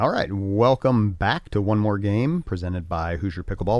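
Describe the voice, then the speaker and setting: A man with an ordinary speaking voice talks at a fairly quick pace in a fairly low pitch with ordinary pitch variation, on a very clean recording with a silent background. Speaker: pickleball podcast host. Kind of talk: casual podcast chat. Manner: chatty, joking.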